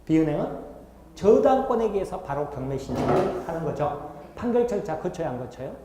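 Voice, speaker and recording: Against a noisy background, a man with a fairly high voice and big pitch swings teaches law at normal speed. He walks students through each step and often asks check-in questions, his voice echoing around the lecture hall.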